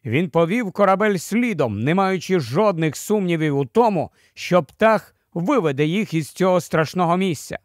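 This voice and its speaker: Male audiobook narrator, high voice, dry close sound. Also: dry recording. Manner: measured, expressive reading. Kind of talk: scripted storybook narration.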